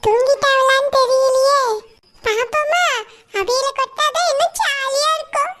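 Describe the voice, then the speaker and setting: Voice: very high-pitched, fairly even intonation, moderate pace, pushed and bright. A performer voicing a mischievous little village girl in a cartoon, playful and conspiratorial, with a southern Tamil Nadu accent. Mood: playful scheming. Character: mischievous little village girls plotting pranks at bedtime. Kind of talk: Tamil cartoon character dialogue.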